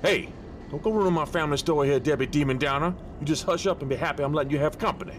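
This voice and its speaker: A man's voice: a little high, rapid-fire, natural voice. A man playing a folksy storyteller with a Southern US accent, spinning spooky family tales in an audio drama. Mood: teasing, bossy. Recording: noisy, with outdoor-like ambience.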